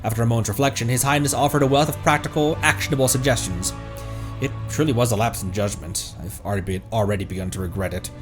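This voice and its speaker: A man's voice: mid-range voice, fast, music in the background. A man streaming a video game, reading its text aloud with asides and stumbling over long words.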